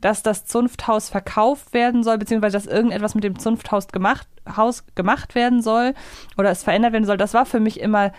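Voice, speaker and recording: A woman's voice: medium pitch, fairly even intonation, fairly quick, no echo, studio quality. A woman co-hosting a podcast, casually and reflectively explaining her thoughts. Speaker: podcast co-host. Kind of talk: casual discussion.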